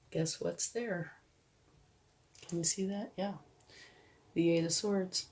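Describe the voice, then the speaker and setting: A woman with a hoarse voice from a cold, giving a tarot card reading in a relaxed, reassuring way and often checking in with the listener. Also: deep voice. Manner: reassuring, explains each card to the viewer and checks in with "okay?". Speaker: tarot reader. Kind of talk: tarot card reading, casual spoken explanation.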